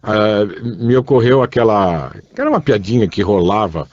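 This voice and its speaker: Radio co-host, low-voiced man, careful and joking, muffled dry studio. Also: very animated, a little mellow. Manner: slow, careful spelling out of web addresses, joking. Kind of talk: casual radio chat. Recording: dull, dry studio sound.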